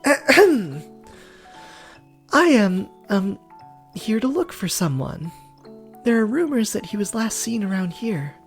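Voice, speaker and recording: A woman's voice: mid-range voice, big pitch swings, slow pace, long pauses, faint music behind. A woman voicing an earnest young foreign woman in a story game, chatty, easily flustered and prone to stammering. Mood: earnest, polite. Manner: stammering, indignant when teased. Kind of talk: dramatic character voice reading of a story game.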